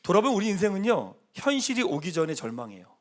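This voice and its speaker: An energetic male pastor preaches in a church, and his voice sits high and swoops up and down as he rallies the congregation. He leads them in call-and-response. When he speaks God's promises, he falls to a soft, hushed tone. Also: quick pace. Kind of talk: sermon. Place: church sanctuary.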